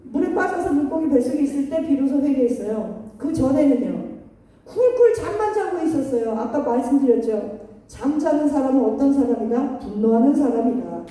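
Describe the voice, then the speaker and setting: A middle-aged woman preaches a lively sermon, telling stories with animated acted-out voices and frequent laughter. Her voice sits high but sounds dark and mellow. She is heard from a distance in a church hall with a long, roomy reverb. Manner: animated storytelling, acts out voices, laughs often. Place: church sanctuary. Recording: echoey hall from far off.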